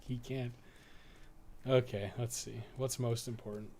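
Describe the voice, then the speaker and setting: Swearing frequently as he rambles and thinks out loud, a streamer and game guide writer offers live, casual commentary on his play. He's very animated yet slow, with a mid-range voice, and there's obvious background noise.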